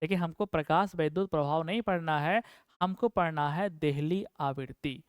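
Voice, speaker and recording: A man teaching an exam-prep physics lesson. He asks the class questions, answers them himself, and repeats key terms slowly for dictation. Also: a little high, clean tone, dry recording, clean studio sound.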